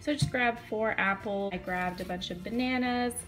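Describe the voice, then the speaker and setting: A woman's voice: medium pitch, moderate pace, fairly bright tone, soft background music. A young woman chatting casually in her kitchen as a vlogger, upbeat and listing what she bought. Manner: chatty, upbeat, lists items with prices. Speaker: vlogger showing a grocery haul. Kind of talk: casual chat. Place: home kitchen.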